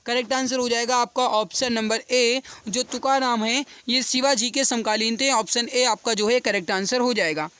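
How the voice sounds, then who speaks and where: A man's voice: very high-pitched, normal speed, hardly any pauses, pushed and bright, clean tone. A man teaching an online exam-prep lesson, addressing students directly, repeating key points and adding frequent check-in tags.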